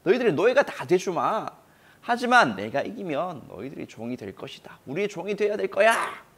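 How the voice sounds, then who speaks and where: A man's voice: sits high, very animated, a little fast, a bit bright, breathy edge, voice pushed up, exaggerated voice. A man voicing a huge, boastful giant warrior who bellows taunts at an enemy army. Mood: taunting.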